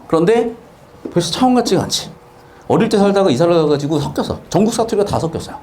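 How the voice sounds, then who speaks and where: Male lecturer, high and animated, repeats points and quizzes the class. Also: fast talker. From South Korea, Changwon. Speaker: Korean grammar teacher.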